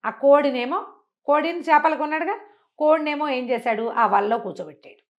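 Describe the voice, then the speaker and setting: High-voiced woman telling folk tales. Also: moderate pace, muffled recording. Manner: animated, colloquial, explanatory, with rhetorical questions. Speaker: storyteller. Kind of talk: conversational folk storytelling with acted-out dialogue.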